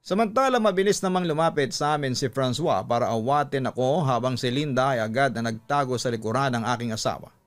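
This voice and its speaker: A man narrating a scripted love story for radio in an emotive, deliberate storytelling manner. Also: mid-range voice. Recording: music under the voice.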